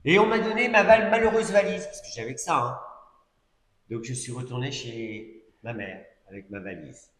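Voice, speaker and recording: A middle-aged male preacher with a medium-pitched, slightly bright voice shares a testimony sermon at a moderate pace. He tells his story conversationally, full of asides and fillers, in a church hall whose roomy echo fills the recording.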